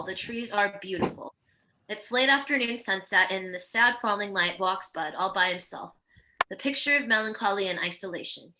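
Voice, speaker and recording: Bright-voiced woman reading stage directions. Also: medium pitch, rough recording. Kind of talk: scripted narration at a virtual table read.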